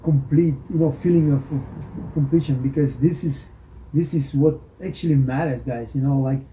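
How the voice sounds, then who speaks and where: A man's voice: medium pitch, normal speed, dark tone, a little hiss or hum, low-quality recording. A man hosting an interview, blunt and casual, swearing freely and speaking to viewers. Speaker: host.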